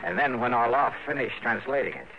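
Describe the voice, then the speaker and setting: A tough investigator in vintage radio drama style. His gravelly, mid-pitched voice is clipped and decisive, with music behind a muffled old recording. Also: expressive, fairly quick. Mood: terse narrating. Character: tough, urgent male investigator hero of a radio serial. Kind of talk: 1950s radio drama acting and narration.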